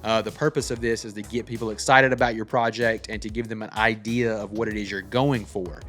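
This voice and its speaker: A man's voice: lowish voice, fairly even intonation, a little fast, fairly bright tone. A man giving a casual tutorial as a filmmaker, walking through how a short film was made. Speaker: filmmaker presenting a breakdown of their own short film. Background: background music.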